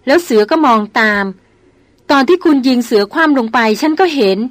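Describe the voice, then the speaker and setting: A woman's voice: fairly high pitch, measured pace, no room sound, voice pushed up, lightly acted. A woman voicing a terrified young woman doctor who insists she saw a ghost. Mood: pleading. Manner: frightened, pleading, insistent.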